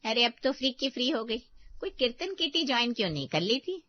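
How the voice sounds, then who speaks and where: A woman's voice: fairly high pitch, very animated. A woman voicing a nosy, gossiping middle-aged neighbor who drawls and pries. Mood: prying. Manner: drawn-out calling, prying. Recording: dull, dry sound.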